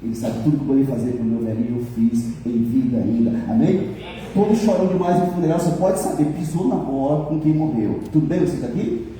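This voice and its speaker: A man's voice: medium pitch, a little fast, dark tone, far from the mic. Man preaching in an echoey church hall. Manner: jokey, keeps asking the congregation for amens. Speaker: pastor. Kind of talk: lively church sermon.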